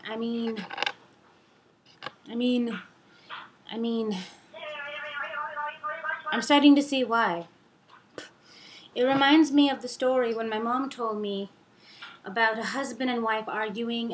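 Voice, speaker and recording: Higher-voiced young woman rambling over background noise. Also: low-quality recording. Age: young adult. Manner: animated, rambling, acts out dialogue. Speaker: vlogger telling a personal story. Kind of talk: casual storytime monologue.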